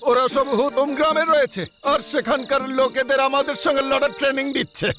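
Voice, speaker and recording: A man voicing an excitable cartoon bandit lackey in an exaggerated dub. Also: very high-pitched, fast talker. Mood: alarmed. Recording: music behind the dialogue.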